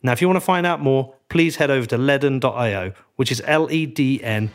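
An English man hosts a podcast, reading sponsor spots in a conversational way. His voice sits at an ordinary pitch for a man. He moves on to asking an interview guest questions. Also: brisk, soft background music. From England. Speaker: podcast host. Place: conference.

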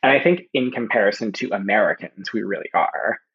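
A young Canadian man, a podcast guest, chatting casually with lots of fillers and lively quoted asides. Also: lowish voice, fairly quick, vocal fry, husky, highs cut off. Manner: chatty, full of fillers, animated quoting. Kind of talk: casual chat.

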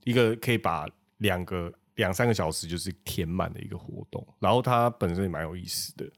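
A man with a Taiwanese accent talks in a casual, conversational way. His voice sits low and has a noticeable gravelly fry, recorded close and dry. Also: a little fast, no room sound. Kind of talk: casual chat.

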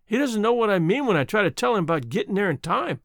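A man voicing a gentle old mountain widow. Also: high voice, very animated, normal speed, no echo, studio quality, pitched above the performer's own voice. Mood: plaintive. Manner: rural dialect, homely grammar; apologetic, wistful.

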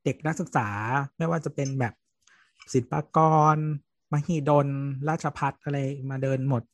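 A man's voice: on the high side, fairly even intonation, normal speed, no room sound. A man hosting a casual podcast, reading out listener questions in a polite manner. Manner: polite host, ends lines with krab. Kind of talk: casual chat.

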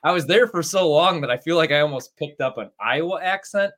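A man's voice: on the high side, expressive, a little fast, fairly bright tone. A young man with a Chicago accent co-hosting a betting podcast, rambling and laughing as he talks. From Chicago area. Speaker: sports betting podcast co-host. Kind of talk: casual sports talk.

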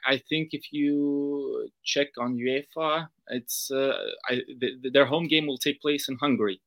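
A man from Belarus answering interview questions as a football reporter, in a halting, careful and noncommittal manner. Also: mid-range voice, steady tone, a bit bright, dry recording. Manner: hesitant, halting, measured, hedging answers.

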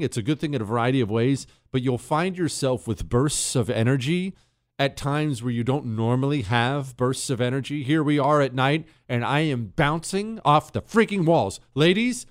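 A man hosting a talk radio show, ranting in mock outrage and teasing his co-host. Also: medium pitch. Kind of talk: opinionated talk radio monologue.

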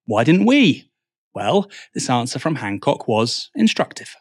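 A man's voice: medium pitch, sing-song, unhurried, dry recording. A male news host delivers scripted presentation in a mid-range voice. The sound is very dry, with no room around it.

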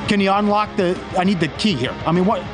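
A man's voice: sits high, quick pace, music in the background. A man hosting a sports betting show, telling stories in casual banter and often restarting his sentences. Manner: animated storytelling with repeated restarts. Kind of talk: casual banter, then ad read.

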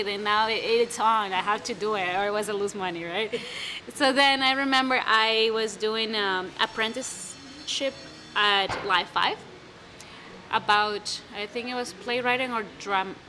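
A young woman speaking English as a second language, answering interview questions about her play in a lively, casual way with many restarts. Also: fairly high pitch. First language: not English. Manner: animated, many restarts and fillers. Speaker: playwright guest.

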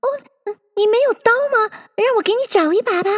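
A woman's voice: very high-pitched, fast talker, in a large hall, voice pushed up. A woman voicing a polite, eager young girl in a storybook reading, apologetic and chatty. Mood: pleading.

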